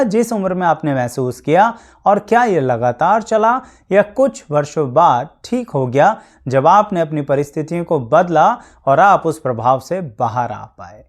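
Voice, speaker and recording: A man talks as an astrologer to his viewers in a steady explanatory style. He keeps things practical and simple, walking through everyday examples. English words slip easily into his speech. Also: on the high side. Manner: mixes English words into Hindi.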